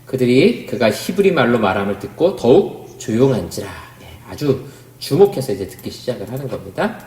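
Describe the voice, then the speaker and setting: A man's voice: mid-range voice, sing-song, fairly quick, darkish tone. A man, a pastor, giving a Bible study lecture in a conversational way, often asking the class questions. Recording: roomy, echoey room sound.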